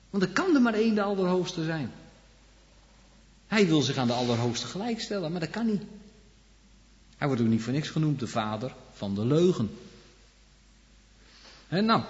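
A man preaching a sermon, walking his listeners through Bible verses and tossing in frequent little asides to check they follow. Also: a little high. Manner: explains scripture, leans on frequent "hè" asides. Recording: long hall reverb, dull lo-fi sound.

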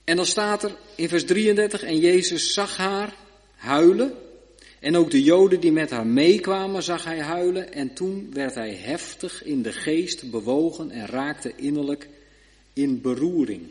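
A man giving a Bible study sermon, reading scripture aloud slowly and checking in with short tag questions. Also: fairly high pitch, a little mellow. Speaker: preacher. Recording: long reverb of a hall.

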